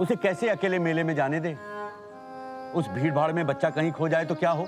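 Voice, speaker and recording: A man talks over music playing in the background. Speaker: actor. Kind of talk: dramatic story narration.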